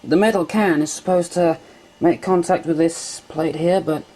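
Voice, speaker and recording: A woman calmly explaining step by step as she unpacks and tests old equipment at home. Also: fairly low pitch, moderate pace, poor audio. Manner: calm step-by-step explaining while handling equipment. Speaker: hobbyist vlogger. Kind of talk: casual demonstration narration. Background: faint machine hum.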